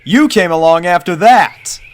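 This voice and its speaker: A man's voice: high voice, measured pace, slight background noise, pitched above the performer's own voice. A man voicing an easygoing, loyal young unicorn pony boy in an acted story reading. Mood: matter-of-fact. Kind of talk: acted character voice in fan fiction reading.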